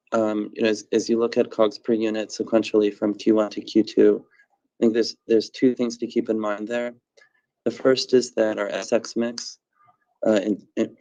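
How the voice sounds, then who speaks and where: Low creaky man on a muffled call. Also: dark tone. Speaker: company executive. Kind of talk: earnings call answer. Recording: muffled, band-limited conference call audio.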